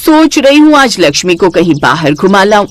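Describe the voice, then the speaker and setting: A woman's voice: medium pitch, very animated, moderate pace. A woman voicing a greedy, scheming older mother-in-law in a cartoon story, talking in a sly, coaxing way.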